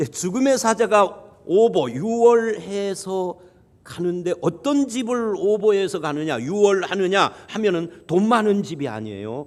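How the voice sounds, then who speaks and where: With lively intonation, the talking unfolds very slowly. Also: man, high pitch for a man. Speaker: senior pastor. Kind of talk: sermon.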